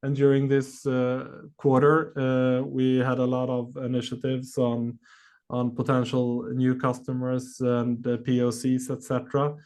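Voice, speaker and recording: A man answering questions as a company executive on an earnings call, speaking haltingly with many long filled pauses. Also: medium pitch, monotone, a little mellow.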